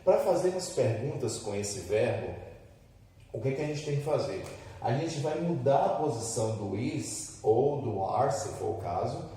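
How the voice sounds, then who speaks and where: With a warm, mid-range voice and a Brazilian Portuguese accent, this man stands at a classroom board giving an English lesson. He explains things patiently one step at a time and keeps asking whether the students are following. The recording is echoey, and he's heard from a distance.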